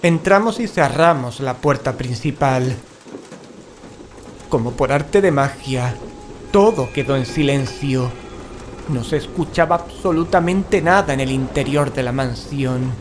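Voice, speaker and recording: A man's voice: mid-range voice, a little slow, background noise, lightly acted. A man playing a frightened paranormal investigator in a horror audio drama, telling of a haunted house with dramatic unease. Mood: ominous narrating. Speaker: narrator and character in an audio drama. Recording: music behind the voice.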